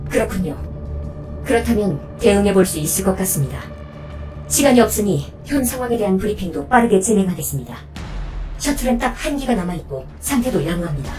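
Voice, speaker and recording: A woman playing a dutiful android helper in an audio drama, speaking formally, in a measured and unemotional way. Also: medium pitch, warm tone, lightly acted. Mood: brisk, composed. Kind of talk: Korean audio drama acting.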